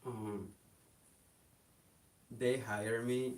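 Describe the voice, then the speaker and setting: A young man from Mexico, a guest in an interview, speaks haltingly with many fillers and restarts. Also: mid-range voice, flat delivery, a little mellow. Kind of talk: casual interview. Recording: hiss, distant from the mic.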